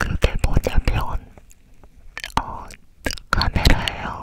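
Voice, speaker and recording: A woman is whispering. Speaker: ASMR content creator. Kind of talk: ASMR whispering, close-mic, casual storytelling. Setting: studio, close microphone. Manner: whispered, soft, intimate. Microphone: studio mic.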